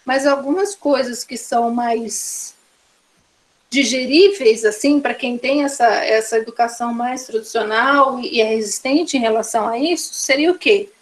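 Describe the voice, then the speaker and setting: A woman's voice: fairly high pitch, normal speed. A woman with a Brazilian Portuguese accent teaching a course, explaining by listing examples one after another. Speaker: course instructor. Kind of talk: online course lecture.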